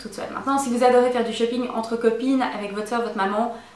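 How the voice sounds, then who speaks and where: Very fast speech from a woman with a fairly high pitch, plus noticeable background noise. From Belgium. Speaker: fashion YouTuber. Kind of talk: casual talk to camera.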